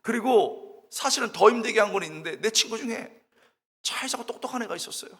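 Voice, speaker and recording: In a church sanctuary with a big-room sound, a middle-aged guest pastor preaches in a high, expressive, husky voice at a fairly quick pace. He tells stories, asks the congregation direct questions, and shouts and wails as he acts out his own tearful prayer.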